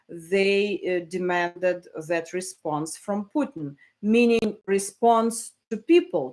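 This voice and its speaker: Woman journalist, live commentary, hesitant delivery with restarts. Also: mid-range voice. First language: Russian. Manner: hesitant, many fillers and restarts. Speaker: journalist hosting a live stream. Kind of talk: live stream commentary, reading viewer messages.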